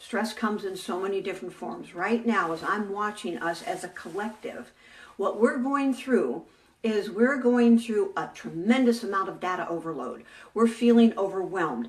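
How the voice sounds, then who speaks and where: A woman with a medium pitch and lively intonation speaks at a moderate pace over noticeable background noise. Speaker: nurse practitioner and wellness speaker. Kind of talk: live stream talk.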